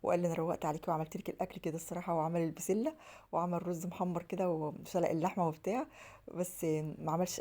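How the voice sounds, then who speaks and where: A woman with an Egyptian Arabic accent and a lowish, mellow voice tells stories in a casual home vlog. She rambles on, acting out the dialogue as she goes.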